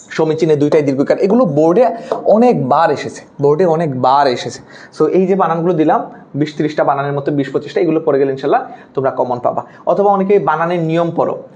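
A man's voice: on the high side, darkish tone. A young male teacher with a Bangladeshi Bengali accent giving an exam-prep lecture, chatty, dropping English words and often asking "okay?" to check in. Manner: mixes English words into his talk.

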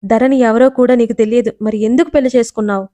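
A woman's voice: a little high, steady tone, quick pace, dark tone, dry recording, close to an everyday voice. A woman reading the lines of a serious, protective young man who speaks with heat. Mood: angry, serious. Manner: serious, heated.

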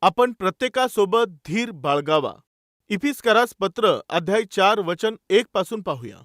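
High-voiced man preaching a sermon. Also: animated, unhurried, fairly bright tone, no echo, studio quality. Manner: addresses listeners as dear brothers and sisters; tells illustrative stories with quoted dialogue.

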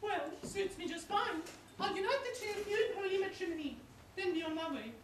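A woman playing a brisk, obliging amateur vicar in a stage pantomime. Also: extremely high pitch, lively intonation, a little hiss or hum. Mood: brisk, satisfied. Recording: distant echoey theatre recording.

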